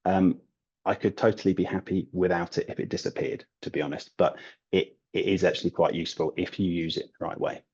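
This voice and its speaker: A man with a very deep, husky voice chats easily as an interview guest, often pausing on "um" and restarting his sentences. His audio sounds dull and lo-fi, like a remote call. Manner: relaxed, laughing, many restarts and ums. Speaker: guest, language learning YouTuber. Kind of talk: casual interview chat.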